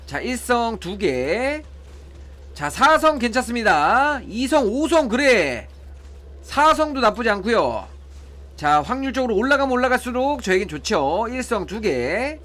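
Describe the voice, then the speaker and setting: A man's voice: extremely high pitch, a bit bright. A man giving casual play-by-play of his mobile game pulls, counting results and pleading for good draws. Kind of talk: casual gameplay commentary.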